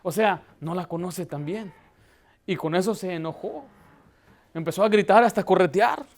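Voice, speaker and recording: A man's voice: sits high, lively intonation, normal speed, a little hiss or hum. A man preaching a Baptist sermon as pastor, telling stories and raising his voice to stress a point. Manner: preaching with anecdotes, voice rising for emphasis.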